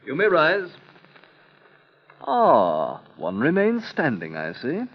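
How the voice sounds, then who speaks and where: A man's voice: on the high side, wildly swooping pitch, slow, breathy edge, full character voice. A wry, amused king. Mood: amused, courtly. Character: genial, wry, spendthrift adult male king. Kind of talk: 1930s radio drama acting. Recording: dull lo-fi old radio transcription.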